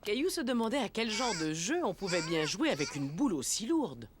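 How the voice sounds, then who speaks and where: A woman narrating a children's cartoon as a gentle storyteller, reading a scripted tale. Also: medium pitch, very animated, a little fast, noisy background, close to an everyday voice. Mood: gentle storytelling. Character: gentle storybook narrator of a small boy's day.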